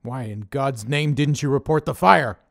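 A man's voice: mid-range voice, normal speed, creaky, a bit bright, no echo, clean studio sound, pitched above the performer's own voice. Man putting on a blustering bossy camp leader. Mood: raging. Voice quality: blustering, scolding. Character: gruff bossy middle-aged male camp leader, preachy.

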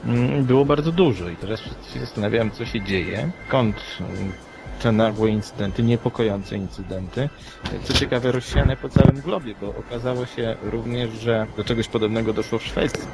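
A man's voice: medium pitch, moderate pace, poor audio. Man commenting reflectively over music. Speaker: podcast co-host and commentator. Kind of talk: unscripted news commentary. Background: music playing under the voice.

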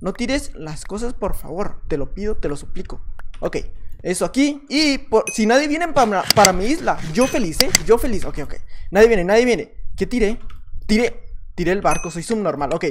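A man with a Mexican accent giving casual gameplay commentary, chatty and repeating short phrases over and over, sometimes bursting into loud excited yelling. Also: high-pitched, moderate pace, a little hiss or hum. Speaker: gaming channel host.

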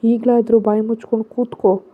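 A bossy young woman scolds her friend sharply with a raised, higher voice, as a narrator puts her on. Her sarcasm cuts through a thin, phone-like sound. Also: little pitch movement, brisk, close to an everyday voice. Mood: scolding.

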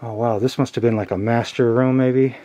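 A man in his thirties narrating a casual exploration vlog as he walks, informal and halting, thinking aloud. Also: medium pitch, fairly even intonation, warm tone, dry recording. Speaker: host exploring abandoned places. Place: outdoors and inside derelict buildings, walking. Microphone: handheld camera at arm's length. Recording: outdoor camera audio with background noise.

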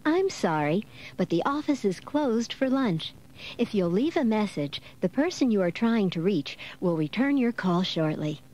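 A woman's voice: medium pitch, sing-song, a little slow, a little mellow. A woman speaking a formal, polite, scripted answering machine greeting, recorded as a voicemail message.

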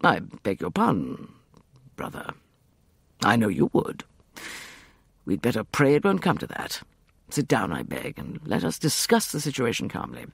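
A man voicing a suave, sardonic gentleman schemer who talks in a slow, irritating drawl. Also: mid-range voice, big pitch swings, vocal fry, breathy edge, no echo, clean studio sound, full character voice. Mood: smooth.

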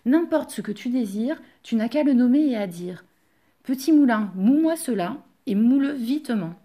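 A woman's voice: fairly high pitch, animated, moderate pace, dark tone. A woman voicing an impatient, commanding king of the dwarves in a storybook tale. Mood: bargaining. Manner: commanding, bargaining.

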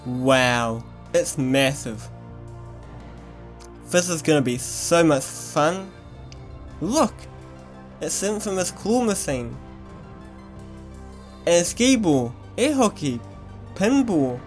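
A man playing an affectionate, playful young boyfriend on a date in an ASMR-style audio roleplay, doting and easily excited. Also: sits high. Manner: doting, pet names, mock sports commentary.

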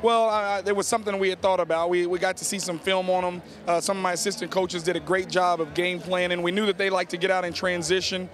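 A man's voice: high-pitched, little pitch movement, fast talker, hardly any pauses, fairly bright tone. A middle-aged American man, a basketball coach, answering in a postgame interview on a handheld mic in an arena. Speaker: high school basketball coach. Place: on the court of a large indoor arena. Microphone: handheld reporter microphone held to him.

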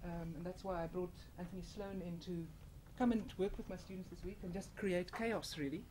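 A woman's voice: fairly low pitch, steady tone, fairly quick, darkish tone, a little hiss or hum. A woman, a lecturer, giving an informal introduction in a hesitant, reflective way. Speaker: university journalism lecturer introducing a guest.

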